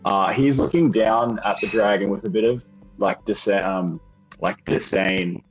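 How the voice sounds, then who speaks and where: A man playing a tabletop game, describing his character's actions and haltingly searching for words. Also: fairly low pitch, soft background music, rough recording.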